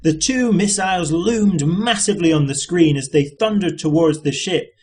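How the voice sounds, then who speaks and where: A man's voice: sits high, moderate pace, darkish tone. A man narrating an audiobook as an amateur reader, in scripted storytelling style.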